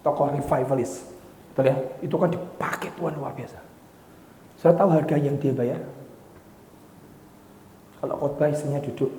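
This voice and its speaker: A male pastor preaching a sermon dramatically, acting out quoted voices and shouting for emphasis. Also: a little high, slight background noise. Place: church hall. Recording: echoey, reverberant hall.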